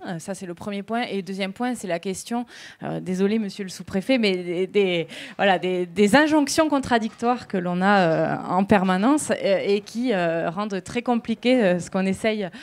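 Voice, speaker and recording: A woman's medium-pitched voice in a Toulouse accent, with ordinary pitch variation, a moderate pace, and a very clean recording with a silent background. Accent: southern French (Toulouse). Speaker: town mayor. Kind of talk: panel discussion. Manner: hesitant, many fillers.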